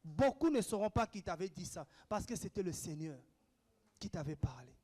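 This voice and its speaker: A male preacher from Africa. He delivers an impassioned sermon, swinging between shouted declarations and hushed asides. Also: high-pitched, animated, normal speed. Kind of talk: sermon answering questions.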